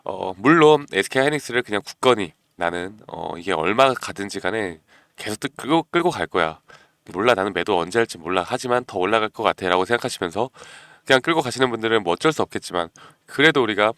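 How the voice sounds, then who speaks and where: A man hosting a stock market channel, talking persuasively to viewers and often clearing his throat because of a cold. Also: on the low side, lively intonation, quick pace, a bit bright, no room sound, studio quality. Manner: persuasive, keeps asking viewers "you know?". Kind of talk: stock analysis talk to viewers.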